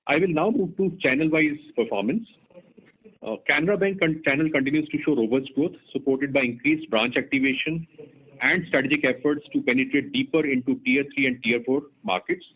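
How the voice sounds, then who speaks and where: A man with an Indian accent, formally reading a company results presentation in a measured, businesslike way as an executive. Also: a little high, breathy edge. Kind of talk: scripted earnings call presentation. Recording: muffled narrowband phone conference line.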